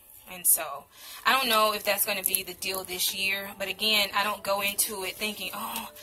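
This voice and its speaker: A woman speaks at a medium pitch for a woman, with noticeable background noise behind her. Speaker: craft and journaling YouTuber. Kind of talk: casual chat while crafting. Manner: frequent filler words (um).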